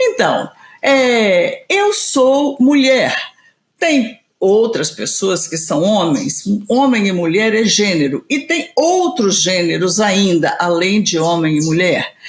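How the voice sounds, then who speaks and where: Her pitch is fairly high and swings very widely as this woman talks at a very slow pace. Room echo is audible. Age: 70s. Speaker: university professor. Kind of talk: lecture. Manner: hesitant with filler sounds.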